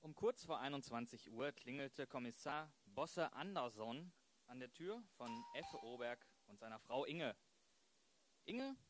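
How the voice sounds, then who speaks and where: A man's voice: medium pitch, a bit bright. A man narrating an audio drama as a storyteller.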